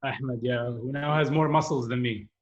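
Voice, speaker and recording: A man's voice: medium pitch, steady tone, normal speed. A man from the Emirates, a guest on a video call, telling childhood stories in a chatty way with fillers and laughs. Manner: chatty, laughing, many fillers, switches into Arabic. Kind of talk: casual storytelling on a video call. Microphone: remote video-call connection. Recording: dull remote call audio.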